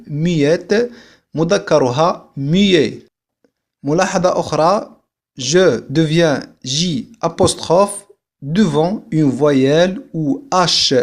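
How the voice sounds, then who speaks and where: Man teaching, slow repeated examples. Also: on the high side. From Algeria. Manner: says French examples slowly and repeats them, then explains in Arabic. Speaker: French teacher. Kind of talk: video language lesson.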